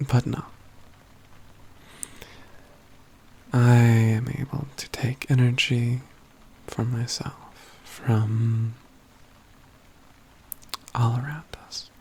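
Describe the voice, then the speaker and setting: A hushed, gravelly male mage acted by a man speaks slowly in a soft ASMR fantasy roleplay. He is wry, self-assured and caring, with formal, gently teasing phrasing, over faint background noise. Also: mid-range voice, level tone, poor audio. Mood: gently reassuring. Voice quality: breathy, often near-whispered, gravelly.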